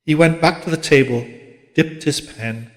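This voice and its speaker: A man reading literary fiction as an audiobook narrator, in a measured, dramatic manner. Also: a little high. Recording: long reverberant hall-like echo.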